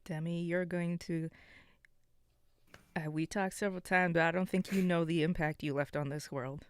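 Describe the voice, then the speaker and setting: A man's voice: on the high side, fairly even intonation, normal speed, smooth, dry recording. A man speaking casually and sincerely as a panelist giving a tribute. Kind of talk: heartfelt spoken tribute.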